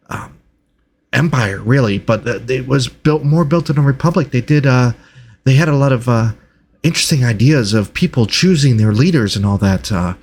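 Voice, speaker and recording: A man voicing a nervous, excitable, oblivious researcher who stammers and eagerly repeats himself in a tabletop roleplay. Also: medium pitch.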